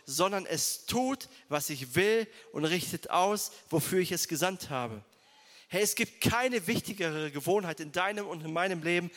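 Male pastor, high-pitched, emphatic direct-address sermon delivery, reverberant hall. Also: a bit bright. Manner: emphatic, direct address to listeners, repeats key phrases.

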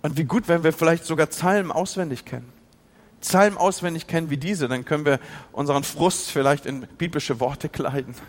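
A man preaching as a pastor, moving between loud outcries and quiet, intimate passages. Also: a little high, fairly quick, in a large hall. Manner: emotional, swings from loud outcries to hushed intimacy. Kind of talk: sermon.

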